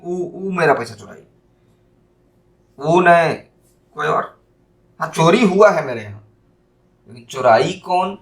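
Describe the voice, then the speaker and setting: A man giving a spoken lesson on communication, stressing single words and drawing out example sentences slowly. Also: on the high side, fairly bright tone. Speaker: teacher.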